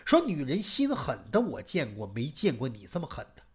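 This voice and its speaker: A woman doing a sharp-tongued old maidservant in a spoken storytelling act, her voice dropped low and held back in level until it bursts into scolding. She sounds blunt and righteous, with a husky edge and plenty of swing in pitch. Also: wildly swooping pitch, heavily acted. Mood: furious. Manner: scolding, blunt, rapid tirades.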